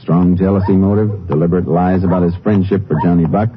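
A man acting as a steady, methodical Texas Ranger in 1950s radio style, measured and matter-of-fact. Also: deep voice, close to an everyday voice. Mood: calm, probing. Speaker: lead actor and narrator of a radio crime drama. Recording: noisy, muffled 1950s radio recording.

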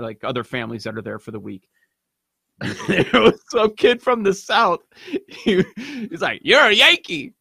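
A man from Chicago co-hosting a sports podcast, telling stories in a lively, animated way. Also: mid-range voice, dry recording. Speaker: podcast co-host. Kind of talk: casual chat.

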